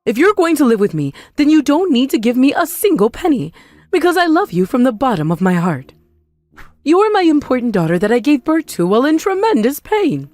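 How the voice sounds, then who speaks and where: A woman's voice: high voice, sing-song, fairly quick, darkish tone, pitched above the performer's own voice. A woman voicing a greedy, manipulative middle-aged mother in a comic dub, with a theatrical, wheedling way of talking. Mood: pleading. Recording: voice over background music.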